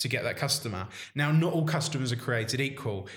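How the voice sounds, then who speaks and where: Audible room echo surrounds a man who speaks at a medium pitch and a fairly quick pace with ordinary pitch variation. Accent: British. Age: 20s. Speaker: social media marketing agency owner. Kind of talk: interview.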